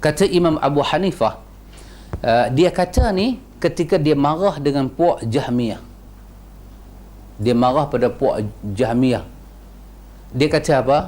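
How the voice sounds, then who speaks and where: A man giving a religious lecture. He reads Arabic quotes slowly, then explains them with high, emphatic repetitions. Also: a little mellow, a little hiss or hum.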